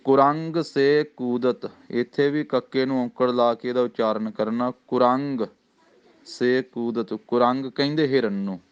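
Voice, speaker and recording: Slow, clear-voiced Punjabi man chanting verses. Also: mid-range voice. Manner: chants each phrase slowly, then explains in quicker plain speech. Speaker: Gurbani recitation teacher. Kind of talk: slow chanted recitation with pronunciation teaching. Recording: slightly dull, lo-fi recording.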